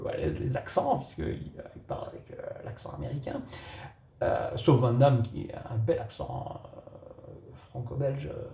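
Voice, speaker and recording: A man giving a casual spoken film review for his channel, halting with many restarts and little chuckles. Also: a little high, gravelly, warm tone. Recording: echoey room.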